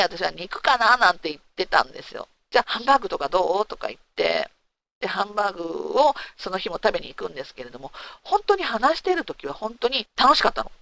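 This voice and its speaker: Frank, lively woman with a gravelly edge. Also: fairly low pitch, dry recording. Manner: frank and animated, asks listeners rhetorical questions. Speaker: host of a talk segment. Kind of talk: candid casual storytelling.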